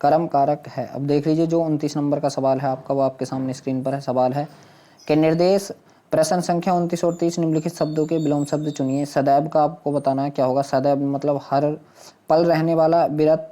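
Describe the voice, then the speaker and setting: A coaching teacher with a soft, dark-toned, mellow voice takes students through exam questions. The delivery is instructional and repetitive, posing each question to the viewers and then explaining the answer. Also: medium pitch, fairly even intonation, brisk.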